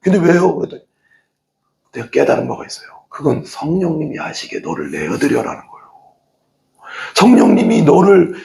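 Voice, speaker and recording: A male pastor preaching an animated sermon in a church, acting out quoted prayers and voices. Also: fairly high pitch, normal speed, vocal fry, long pauses, reverberant, slight background noise. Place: church sanctuary.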